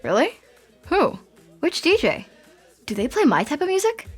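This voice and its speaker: A woman's voice: high-pitched, huge pitch swings, moderate pace, soft background music. A woman playing a sardonic, rebellious teenage Latina girl in an audio drama. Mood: sarcastic, eager. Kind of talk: audio fiction drama acting.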